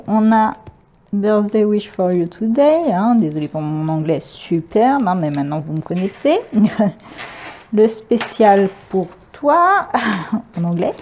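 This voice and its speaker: A French woman talks casually through a craft-supply unboxing. She hesitates often, searches for words and laughs easily. Her voice sits at a middle pitch with a mellow, dark tone. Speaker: crafting vlogger.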